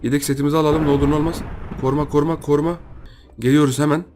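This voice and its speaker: A young man giving casual commentary on his own gameplay, talking to himself and his viewers and repeating words in quick bursts when excited. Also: a little high, noisy background. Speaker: gaming YouTuber.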